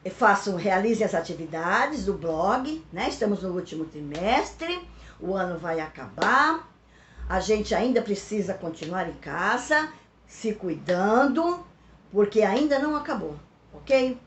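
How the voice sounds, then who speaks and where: A woman's voice: medium pitch, sing-song, a little hiss or hum. Brazilian woman teacher, echoey room. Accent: Brazilian Portuguese, São Paulo. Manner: explains slowly, repeats key words and checks in with "ok?". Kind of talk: recorded lesson for pupils.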